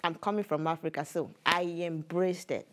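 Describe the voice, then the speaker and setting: A woman's voice: fairly low pitch, steady tone, moderate pace. A woman from Nigeria with a Nigerian English accent, a guest answering interview questions in a casual, hesitant way with easy laughter. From Nigeria, Edo State. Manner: hesitant, restarts often, laughs easily. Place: community TV studio.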